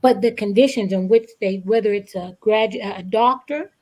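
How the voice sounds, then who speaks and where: A woman guest speaking reflectively in a panel interview, with emphatic, deliberate phrasing and pauses. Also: mid-range voice. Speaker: stage play cast member, guest.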